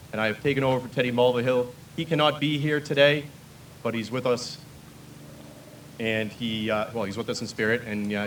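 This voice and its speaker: A man, the town's veterans service officer, introducing himself at a ceremony in a plain, slightly halting way. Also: mid-range voice, slight background noise, rough recording. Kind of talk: public address at a ceremony.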